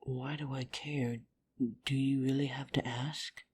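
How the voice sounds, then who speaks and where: A woman's voice: extremely low pitch, level tone, measured pace, husky, heavily acted. A woman playing a defiant, caring vampire in an audio drama, protective and bluntly sarcastic. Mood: tender, sheepish. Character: defiant, caring female vampire in love with an angel.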